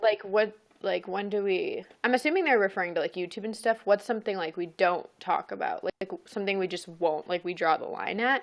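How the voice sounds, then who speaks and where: A woman with an American accent and an unremarkable speaking voice talks at a fairly quick pace with hardly any pauses, at medium pitch with ordinary pitch variation. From Los Angeles. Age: 20s. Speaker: vlogger, young mother. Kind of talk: casual livestream chat. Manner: casual, filler-heavy.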